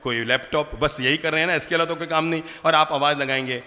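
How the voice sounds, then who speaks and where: A man, a Jain monk, giving an animated sermon full of rhetorical questions and acted-out family scenes. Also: fairly high pitch, quick pace. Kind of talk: sermon to a live audience. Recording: long hall reverb.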